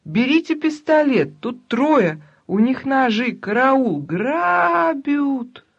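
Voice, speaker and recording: A reader voicing a frightened old grandmother who shouts urgently for help, her voice raised and shrill. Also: sing-song, takes it slowly, vocal fry, breathy edge, dull audio, full character voice. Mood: panicked. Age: older. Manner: loud, urgent, shrill pleading.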